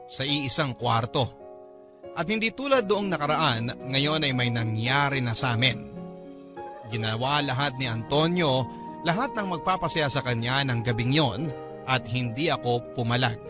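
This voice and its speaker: A man narrating a scripted first-person love story as a radio drama narrator, with measured, dramatic storytelling. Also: medium pitch.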